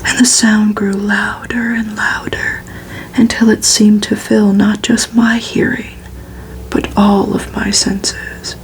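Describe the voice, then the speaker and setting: A woman reading a gothic novel aloud for ASMR in a breathy, unvoiced whisper, hushed and deliberate, with pauses between phrases. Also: medium pitch, level tone, slight background noise, poor audio. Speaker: ASMR reader.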